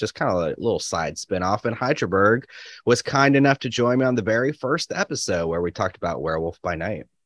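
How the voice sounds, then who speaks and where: A man has an unremarkable speaking voice, moving at a fairly quick pace with lively intonation. The sound is dry and close with no echo, over a quiet background. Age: 20s. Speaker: podcast host, guest. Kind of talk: casual chat.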